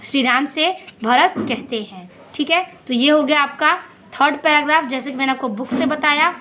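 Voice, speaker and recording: A woman teacher explaining a poem line by line, reading the verses slowly and then explaining them in plain words. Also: high voice, pushed and bright, a little hiss or hum.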